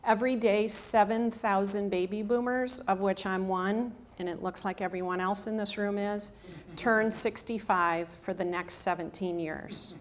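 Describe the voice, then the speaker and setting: Unhurried and steady, this woman in her fifties speaks in a mid-range voice with a strong Michigan accent. As a hospice staff speaker, she gives a relaxed talk to a live audience in a room, often restarting and saying um, with slight background noise.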